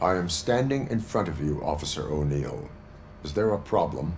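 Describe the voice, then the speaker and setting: With clear background noise behind him, a man speaks at a moderate pace. He uses a put-on character voice pitched very deep and low. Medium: video game. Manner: flat, clipped, no contractions.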